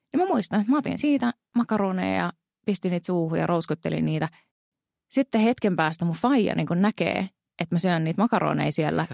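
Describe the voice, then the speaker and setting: A woman speaks at a very fast pace with very even loudness. The sound is dry and close with no echo, in a very clean recording with a silent background. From Finland, Helsinki. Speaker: podcast host and influencer. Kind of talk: casual interview.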